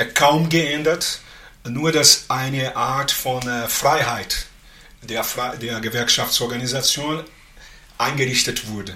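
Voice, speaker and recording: This man talks very slowly, with a Portuguese accent and a fairly high pitch. Noticeable noise sits in the background. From Brazil, São Paulo. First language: Portuguese (speaking German). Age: 50s. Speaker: trade union adviser and lawyer. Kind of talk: interview. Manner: halting.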